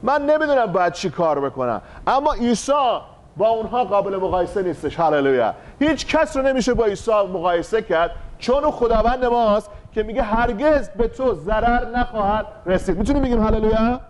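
A pastor delivers an animated sermon in a church, his voice sitting high for a man. He swings between fervent calls of praise and quick, conversational asides to the congregation. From Iran. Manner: animated preaching, rising to shouts of praise.

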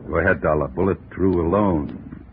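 Smooth crime boss, low and unhurried, sly, old muffled radio drama. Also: male voice, full character voice. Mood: cool, dismissive. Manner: sly, chuckling, drawling. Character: smooth, amused gangster boss feigning honorable motives. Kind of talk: 1940s radio detective drama acting. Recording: muffled old radio recording, faint noise.

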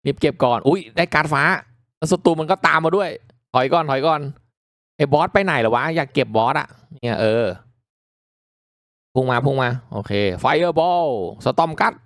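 A man giving casual, reactive commentary as he hosts a mobile game playthrough, chatting politely to viewers with excitable exclamations. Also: on the high side, normal speed, dry recording, clean studio sound. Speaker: gaming video host.

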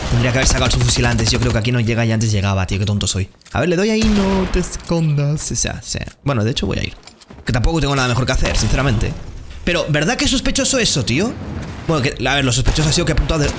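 A young man with a Spain Spanish accent, giving excitable live commentary over his own gameplay, muttering one moment and shouting the next. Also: medium pitch, noisy background. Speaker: gaming streamer.

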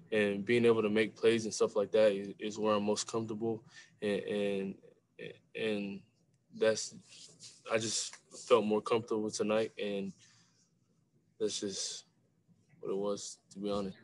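A young man, a college basketball player, answering questions at a postgame press conference over a video call, speaking softly and often repeating words as he starts a phrase. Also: lowish voice, little pitch movement, normal speed, a little hiss or hum. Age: young adult. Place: small room with a sponsor backdrop. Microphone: video call webcam.

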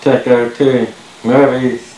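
Man, middle-aged, slow deliberate speech, carefully articulated, echoey small room, faint hiss. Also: mid-range voice, level tone, dark tone. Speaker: research participant. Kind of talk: repeating sentences and casual chat. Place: small lab room indoors.

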